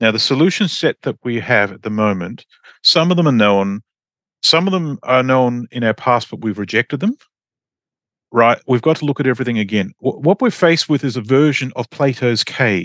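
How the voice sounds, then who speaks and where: Lively intonation marks the speech of a man with an Australian accent. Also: medium pitch for a man, moderate pace, dry, close sound with no echo. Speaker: mining engineer and geologist. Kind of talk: interview. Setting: remote call.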